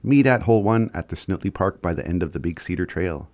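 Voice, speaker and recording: A man's voice: low-pitched, animated, quick pace, darkish tone, no echo. A man with an Indigenous Canadian reservation accent reading community announcements in an informal way, with the odd stumble.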